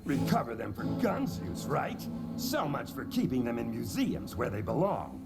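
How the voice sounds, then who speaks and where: A blustering cartoon crocodile detective. The voice is gravelly and gruff, swinging wildly up and down with indignation, over loud music. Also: male voice, mid-range voice, very animated, normal speed. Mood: indignant. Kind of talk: animated audio drama acting.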